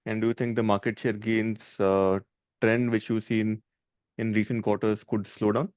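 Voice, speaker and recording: A man asking an analyst's question on a conference call in a halting way. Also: fairly low pitch, flat delivery, a little mellow, no echo. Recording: dull lo-fi call audio.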